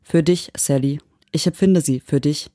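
A woman voicing a possessive smart-home AI that holds a dead husband's mind, speaking calmly and without emotion in an audiobook. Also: sits low, normal speed, dry recording, studio quality, close to an everyday voice. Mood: cold, devoted. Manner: emotionless, mechanically patient. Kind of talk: audiobook reading.

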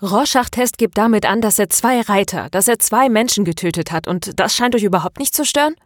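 Woman acting an indignant young female student, raised pitch. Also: a little fast, dry recording, studio quality, close to an everyday voice. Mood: alarmed. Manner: indignant, emphatic, defiant. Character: angry, stubborn young female student, passionate and worried. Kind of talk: dramatized audiobook dialogue.

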